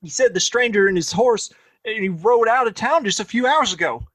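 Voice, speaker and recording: A man's voice: high-pitched, animated, a little fast, fairly bright tone. A man playing an eager, deferential, bumbling Old West henchman in an audio play, hesitant and obedient. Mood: eager, flustered.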